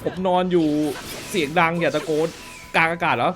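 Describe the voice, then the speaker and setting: A young man giving playful gameplay commentary, excitable and mouthing sound effects for each attack. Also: on the high side, fairly quick. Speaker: gaming YouTuber. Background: game music.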